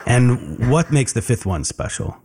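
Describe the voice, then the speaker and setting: A man hosting a classical music show, interviewing a young performer in a gentle, encouraging and patient way. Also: medium pitch, very animated, a little slow, breathy edge.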